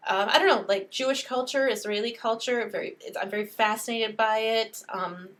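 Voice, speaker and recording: A woman with a fairly high voice, chatting as co-host of a movie podcast. She is casual but emphatic, and she states her opinions firmly. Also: a little fast, fairly bright tone.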